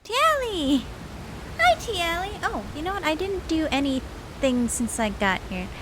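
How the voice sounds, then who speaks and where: A woman streaming a game, reacting with expressive exclamations and casual swearing while chatting with viewers. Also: high voice, normal speed, background noise. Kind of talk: live gameplay commentary, chatting with viewers. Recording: loud game music behind the voice.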